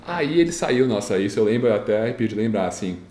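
A young Brazilian man telling a story in casual chat, animated and repeating himself, with a slight stammer. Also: fairly low pitch, fast talker, roomy sound. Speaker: storyteller recounting his graduation speech.

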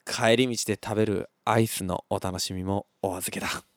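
A man's voice: on the low side, normal speed, dry recording, clean studio sound. A young man, hosting a casual podcast, reading listener messages and telling stories with frequent laughs and sound effects. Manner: chatty, laughs often, lively storytelling with sound effects. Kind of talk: casual chat.

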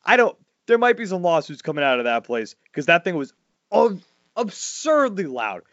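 A man, hosting a casual podcast chat and telling stories loudly, his voice jumping up high when he gets worked up. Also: normal speed, no room sound. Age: 40s. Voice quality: loud voice. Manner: animated storytelling, swings high when excited. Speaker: podcast host. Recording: dull lo-fi dry sound.

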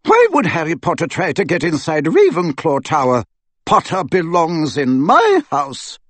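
A guy doing a strict old lady professor, cold and clipped, voice raised high and slow. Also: wildly swooping pitch, no echo, exaggerated voice. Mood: sharp. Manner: crisp, clipped, icily formal. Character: stern older woman professor, cold and precise.

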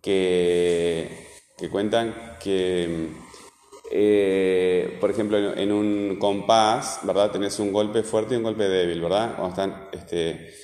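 A man's voice: low-pitched, steady tone, slow, a little mellow. A man with a Rioplatense accent, a teacher questioning a student and explaining concepts with many fillers. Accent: Rioplatense Spanish. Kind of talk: interviewing a student in class. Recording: echoey room with long reverb.

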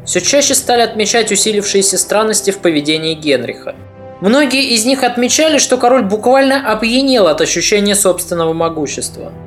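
A podcast narrator reading scripted history in a measured, dramatic storytelling manner. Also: mid-range voice.

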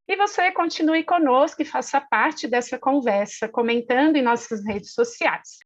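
A woman's voice: high voice, moderate pace. A woman with a Brazilian accent hosting a podcast in a conversational interview style. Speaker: podcast host. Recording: dull, lo-fi audio.

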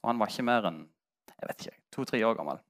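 A man's voice: lowish voice, expressive, a bit bright. A man, a pastor preaching a sermon and telling a personal story with candid, self-mocking humor. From Norway.

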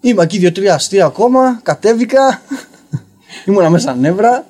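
A young man telling a story casually on a podcast as a guest comedian, rambling and filling pauses with "you know". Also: sits high, lively intonation, a little mellow. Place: basement podcast studio.

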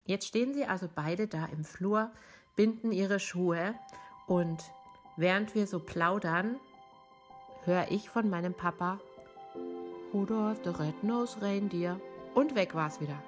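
A middle-aged woman with a raspy, rough-edged voice, hoarse from bronchitis, telling a personal story as a podcast host. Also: on the low side, a little slow, soft background music.

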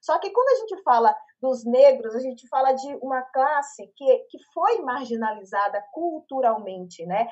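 A Brazilian woman speaking as a guest in a casual live panel chat, an animated and expressive storyteller on a video call. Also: sits high, unhurried, few pauses. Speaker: panel guest, media professional. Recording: lo-fi online call audio.

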